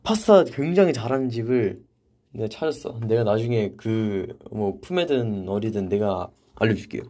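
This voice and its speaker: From a vocal practice room, a young man hosting an idol livestream reads out viewer comments and replies in a laid-back, chatty manner. He speaks at a normal speed in a fairly low voice.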